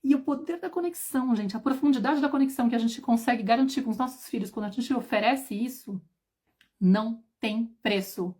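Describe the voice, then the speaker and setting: Fast-talking woman hosting a live chat. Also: a little high, a little mellow, breathy edge. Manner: chatty storytelling, many asides and tag questions. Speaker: parenting mentor hosting a live. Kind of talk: casual livestream talk.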